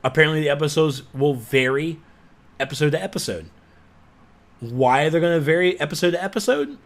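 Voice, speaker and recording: A man giving a sarcastic, exasperated rant as a gaming commentator, with sudden loud outbursts. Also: fairly high pitch, lively intonation, a little fast. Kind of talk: ranting video commentary.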